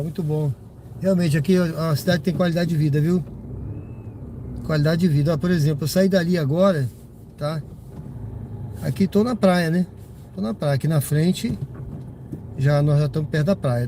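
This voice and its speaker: A Brazilian rideshare driver with a fairly high, warm voice chats casually with his live-stream viewers while driving at night. He sounds a bit congested from a cold and rambles, tossing in plenty of tag questions. Car and road noise fill the background.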